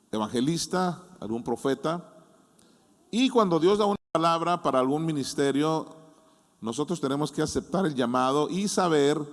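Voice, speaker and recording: Mexican pastor preaching in a reverberant hall. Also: male voice, medium pitch. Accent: Mexican Spanish. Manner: conversational preaching, acts out congregants' doubts with humor. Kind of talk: sermon. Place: church hall.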